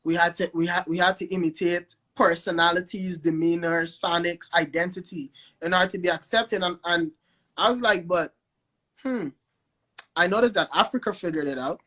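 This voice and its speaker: A man with a Guyanese accent talking as the guest in a casual live-stream interview, animated and repeating himself as he builds his points. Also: high-pitched, moderate pace. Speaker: guest, record label founder.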